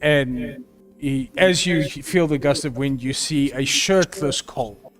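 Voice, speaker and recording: A man running a tabletop game as game master, narrating scenes in a descriptive, halting way with fillers. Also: medium pitch.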